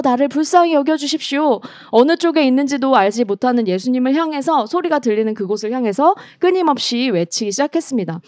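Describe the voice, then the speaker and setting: A woman evangelist preaching to a youth group in a lively storytelling style, asking questions and calling the teens by name. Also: fairly high pitch, no room sound, studio quality. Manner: lively storytelling, acts out scripture quotes; asks the teens questions and calls them by name. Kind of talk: youth sermon over video call.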